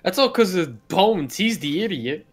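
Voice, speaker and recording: A man's voice: sits high, very animated, unhurried. A man playing a tabletop roleplay game and chatting casually as a player. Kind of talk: casual chat. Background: music.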